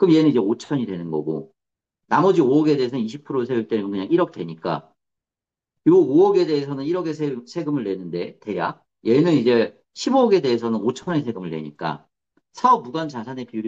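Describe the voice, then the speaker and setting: A man talks at a very fast pace and a medium pitch. His pitch swings very widely and his loudness rises and falls sharply. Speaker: corporate consulting instructor. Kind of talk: lecture.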